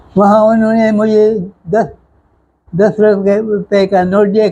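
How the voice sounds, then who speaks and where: Dark, mellow tone from a man pitched high. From Swabi district, Khyber Pakhtunkhwa, Pakistan. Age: 80s+. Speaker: Partition 1947 witness, Jamaat-e-Islami member. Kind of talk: interview answer.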